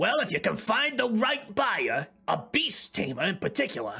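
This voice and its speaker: Talking fairly slowly, a man uses a high-pitched, put-on character voice. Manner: friendly, homespun salesman.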